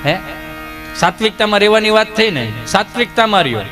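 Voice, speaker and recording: A man's voice: sits high, fast talker, music in the background. A man, a stand-up comedian telling rambling comic stories. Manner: lively, rambling joke-telling. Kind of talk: folk comedy storytelling.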